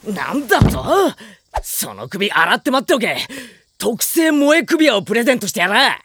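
A man's voice: very high voice, very animated, normal speed, fairly bright tone, slight background noise, exaggerated voice. A man playing a brash, easily flustered teenage schoolboy in an anime audio drama. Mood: cocky, fired up. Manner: brash, cocky, stammering when cornered.

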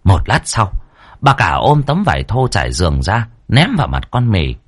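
A man narrating a dramatic audio story with an expressive, rising and falling delivery. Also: lowish voice, moderate pace. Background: faint background music.

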